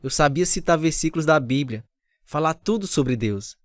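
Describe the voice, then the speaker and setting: A man's voice: on the high side, animated, moderate pace, dry recording, clean studio sound, close to an everyday voice. An actor playing an earnest, repentant husband who tells his conversion story in a scripted radio drama. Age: 30s. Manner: earnest, confessional delivery. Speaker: narrator and lead character. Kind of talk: scripted radio drama with first-person narration. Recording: radio drama over guitar music. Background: acoustic guitar music.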